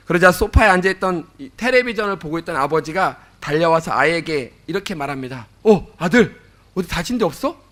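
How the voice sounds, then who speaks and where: A man's voice: high-pitched, sharp tone. A man preaching a sermon, telling a story to his congregation with frequent "uh" fillers. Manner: storytelling, addresses the congregation directly; fillers and self-corrections.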